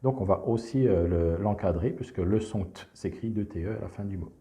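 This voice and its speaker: Calm man with a very dark voice. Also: sits low, fairly quick. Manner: calm explanatory, frequent "donc" and "hein". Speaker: teacher presenting a reading method. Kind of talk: instructional screencast walkthrough.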